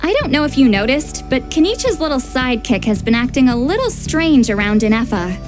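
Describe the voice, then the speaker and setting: A high-voiced, proud young scholar. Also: female voice, sing-song, fairly quick. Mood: proud, indignant. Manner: theatrical, precise, self-assured. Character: proud, scholarly young woman expert on ancient history. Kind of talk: anime video game story dialogue, expository. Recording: background music under studio dialogue.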